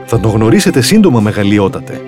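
A man voicing a sly, clever male cat in boots in a storybook reading, pleading and eager in a higher voice than his narration. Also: big pitch swings, music in the background. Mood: coaxing.

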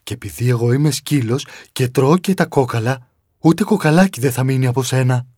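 A man's voice: mid-range voice, a little mellow, breathy edge, no echo, clean studio sound, pitched above the performer's own voice, natural voice. A man voicing a huge, amused male dog who teases and scolds a little dragon in a children's story. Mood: teasing. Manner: teasing, laughing, scolding. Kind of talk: storybook narration.

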